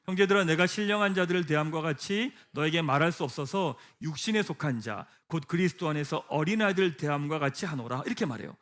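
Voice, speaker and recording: A man's voice: a little high, quick pace, few pauses. A man preaching a sermon as pastor, asking the congregation rhetorical questions and leading them in reading scripture aloud. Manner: rhetorical questions, swings from hushed to emphatic. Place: church sanctuary.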